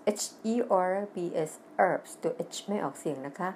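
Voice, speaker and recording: Slow, careful Thai woman teacher. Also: lowish voice, slight background noise. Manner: reads English lines slowly and loudly, then explains quickly in Thai; spells words letter by letter. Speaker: English teacher. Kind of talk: TV English lesson, reading a children's story aloud.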